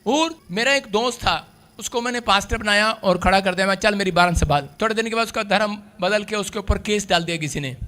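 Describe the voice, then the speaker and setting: Male pastor, high voice, call-and-response sermon with loud bursts. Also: a little fast. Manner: swings between shouting and hushed asides, laughs often. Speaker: preacher.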